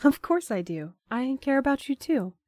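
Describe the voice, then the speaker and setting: A hesitant, gentle romantic, dry sound. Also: female voice, high voice, sing-song, normal speed, dry recording. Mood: stunned, hesitant. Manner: hesitant, thoughtful, awkward. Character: hesitant, romantic, gentle young woman courier Clementine. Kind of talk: audio drama acting.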